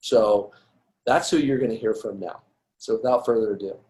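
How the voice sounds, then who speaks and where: A man's voice: lowish voice, moderate pace, dark tone, poor audio. A man hosting a company call, upbeat and effusive in his praise, repeating his points. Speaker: host, company presenter.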